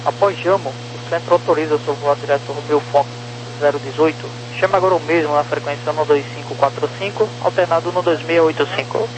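A man's voice: fairly high pitch, steady tone, a little fast. A Brazilian man working as an approach controller, speaking in clipped, businesslike air traffic control radio phrases over a transmission. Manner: formulaic, businesslike. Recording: noisy aviation radio with hum.

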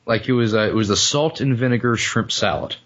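Hoarse joking man with a lo-fi sound. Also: mid-range voice, fairly quick, a bit bright. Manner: joking, rambling, laughs often. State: hoarse, voice cutting out after flu. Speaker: podcast co-host. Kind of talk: casual comedic chat.

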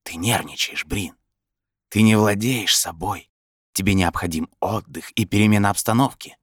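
A man voicing a disembodied inner voice, hushed, ironic and coldly insistent, like an admonishing conscience. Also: fairly low pitch, normal speed, husky, no echo, clean studio sound. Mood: coldly soothing. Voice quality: hushed, whispery.

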